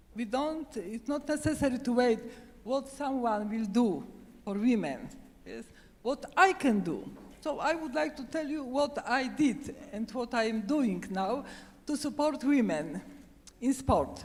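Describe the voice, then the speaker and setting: This woman talks with a Polish accent at a fairly slow pace. Her voice is high-pitched and her intonation is lively. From Poland. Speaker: audience member, sports official. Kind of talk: audience comment at a forum. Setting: conference hall with audience. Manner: halting, non-fluent.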